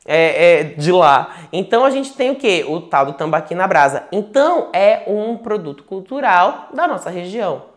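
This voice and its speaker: A man's voice: high-pitched, very animated, moderate pace, few pauses. A man from Manaus with a Manaus Portuguese accent gives a casual, chatty online lecture as a tarot teacher. He talks at home, digresses often, restarts his sentences and keeps checking in with tag questions. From Manaus, Brazil. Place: home, indoors.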